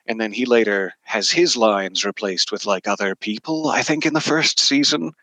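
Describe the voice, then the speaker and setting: A man's voice: fairly low pitch, moderate pace, pushed and bright, dry recording. A man giving a casual interview as a voice actor guest, joking and self-deprecating as he talks.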